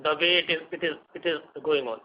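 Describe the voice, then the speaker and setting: Very fast, high-voiced Indian man. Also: a little hiss or hum. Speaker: company finance executive. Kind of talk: brief answers to analyst questions. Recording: dull, muffled call audio.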